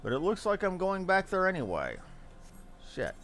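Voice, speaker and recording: A man's voice: sits high, wildly swooping pitch, normal speed, a bit bright. A man giving casual commentary as he streams a game, sometimes muttering to himself.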